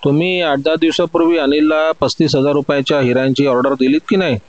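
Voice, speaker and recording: A man's voice: a little high, fairly even intonation, fast, no echo, dull audio, close to an everyday voice. A man voicing a shrewd, stern male police sub-inspector who asks firm, probing questions.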